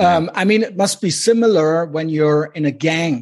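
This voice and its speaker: A voice with a German accent is heard against a quiet background. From Germany. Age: 40s. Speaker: podcast host. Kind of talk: interview. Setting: video call. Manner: halting.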